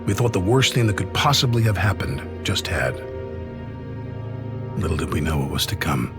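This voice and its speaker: An actor narrating as a soldier looking back on the war, measured and reflective. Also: male voice, sits low, big pitch swings, music in the background. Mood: somber. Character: male soldier recalling the war. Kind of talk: scripted game narration.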